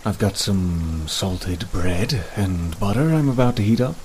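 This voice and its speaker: A man playing a polite, hesitant, forgetful monster hunter in an audio drama, speaking in halting phrases. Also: deep voice, darkish tone, a little hiss or hum. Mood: hospitable, easygoing.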